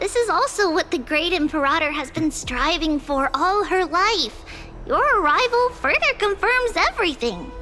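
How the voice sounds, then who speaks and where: Clear music plays in the background as a put-on character voice, extremely high in pitch, goes along at a moderate pace. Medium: virtual streamer. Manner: warm, light laughter.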